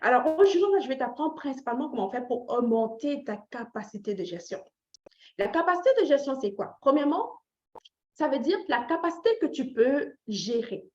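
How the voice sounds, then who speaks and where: Speaking at normal speed in an expressive, high-sitting, slightly mellow voice, this woman from Canada gives an informal live lesson on personal finance with a motivational tone. She checks in with listeners, poses questions directly to them, repeats phrases for emphasis, and slips in short English tags. Roomy echo and a slightly dull lo-fi quality color the recording.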